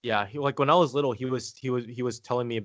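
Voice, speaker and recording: A man's voice: mid-range voice, steady tone, fast talker, fairly bright tone, dry recording. Rambling man, dry close sound. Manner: rambling, hesitant, frequent filler "like". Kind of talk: casual conversation.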